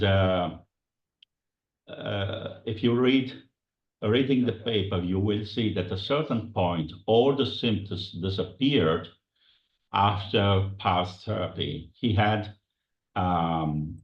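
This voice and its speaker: A male doctor with an Italian accent answering interview questions in English, slow and hesitant, searching for words. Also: fairly low pitch, roomy sound, highs cut off. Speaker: medical doctor and hypnotherapist.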